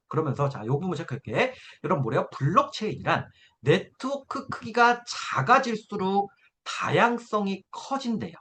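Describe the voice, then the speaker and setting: A high-voiced man lectures an exam-prep essay class, his pitch bouncing up and down as he explains. He keeps pausing to ask whether the students follow, over a faint hiss of background noise. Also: fairly bright tone. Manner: coaxing, keeps checking in with students. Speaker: essay-writing instructor.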